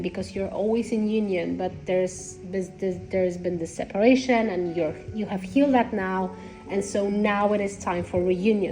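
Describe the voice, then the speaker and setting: A woman with a congested, nasal voice giving unscripted spiritual talk to followers in a halting, rambling way. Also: mid-range voice, dark tone, low-quality recording. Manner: halting, rambling, repeats phrases. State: congested with a cold. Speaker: spiritual content creator.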